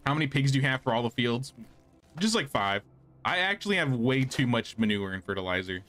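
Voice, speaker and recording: A man's voice: mid-range voice, sing-song, fairly quick, fairly bright tone. A man doing casual livestream gameplay commentary, chatting and thinking aloud as he plays. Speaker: game streamer.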